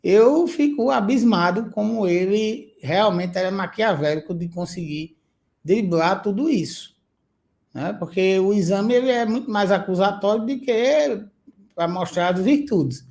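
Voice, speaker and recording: A man's voice: high-pitched, measured pace, creaky, darkish tone. A male podcast host, speaking emphatically and indignantly, with hesitant fillers. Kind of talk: interview questions and commentary.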